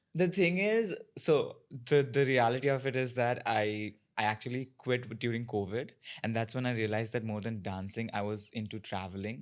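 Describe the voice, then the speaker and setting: With an unremarkable speaking voice, a man talks at a moderate pace and medium pitch, his pitch varying in an ordinary way. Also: very clean recording, silent background. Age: 20s. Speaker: fitness trainer. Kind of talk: casual chat.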